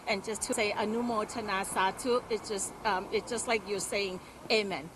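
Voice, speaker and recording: A woman answers questions outdoors in the cold, in a middle-pitched voice. She speaks earnestly and haltingly, pausing often and reaching for words. There is a faint outdoor hiss behind her. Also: fairly even intonation. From Thailand. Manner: earnest and halting, with many pauses and fillers. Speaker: interviewee. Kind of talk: street interview.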